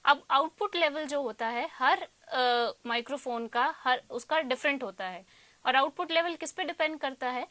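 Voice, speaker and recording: Female tutor, Indian accent, high pitch, didactic question-and-answer lecture delivery, dry sound. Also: moderate pace, pushed and bright, no room sound. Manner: didactic, poses questions then answers them. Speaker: electronics tutor. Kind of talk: explanatory lecture mixing Hindi and English.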